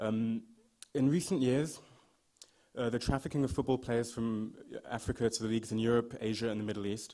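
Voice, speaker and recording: Over a quiet background, a man talks at a fairly quick pace in a fairly low voice with a dark, mellow tone and fairly even intonation. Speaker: PhD researcher. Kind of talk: conference presentation. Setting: stage with audience. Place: hall. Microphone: podium.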